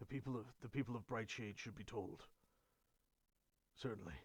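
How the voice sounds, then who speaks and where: Putting on a raspy character voice at a medium pitch, a man talks at a fairly quick pace. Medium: actual play. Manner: hesitant, stammering.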